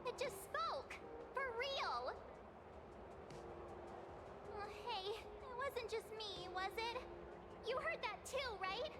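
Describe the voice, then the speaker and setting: A wide-eyed, bubbly girl from an anime game, with a very high, animated voice. She questions everything breathlessly and takes her time, over loud background noise. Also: slow, pauses often, full character voice. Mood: startled wonder.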